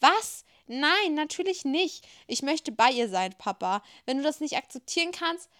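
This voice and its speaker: A woman's voice: high voice, lively intonation, moderate pace, fairly bright tone, pitched above the performer's own voice. A woman reading out the lines of a lovestruck young man who stands up to his father, pleading and insistent.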